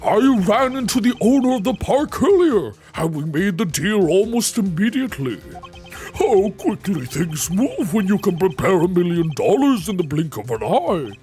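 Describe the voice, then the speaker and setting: A woman voicing a smug, pompous wealthy older man who talks in a slow, gloating way. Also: medium pitch, big pitch swings, warm tone, faint music behind, close to an everyday voice. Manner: slow, gloating, drawn-out delivery.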